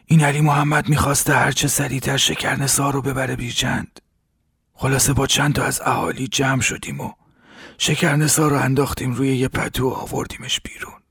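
An actor playing a grieving older village man who retells a tragedy in a hoarse, halting, sorrowful voice in an audio drama. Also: medium pitch, flat delivery, a bit bright, no room sound, studio quality. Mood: grief-stricken. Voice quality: hoarse, raspy. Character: grieving old village man recounting horrors.

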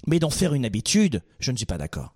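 A man's voice: mid-range voice, huge pitch swings, a little fast, darkish tone, slightly rough. A man hosting a motivational call-in show, addressing listeners directly in an emphatic, exhorting style with rhetorical questions.

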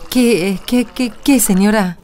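A woman's voice: mid-range voice, slow pace, a little mellow, slight background noise, lightly acted. A woman playing a timid, worried young servant girl in a religious radio play, hesitant and anxious. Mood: flustered, worried.

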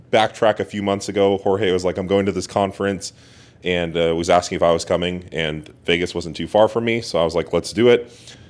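Young male host with a very deep voice, asking rambling, filler-heavy questions into a camera mic. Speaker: podcast host. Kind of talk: casual interview.

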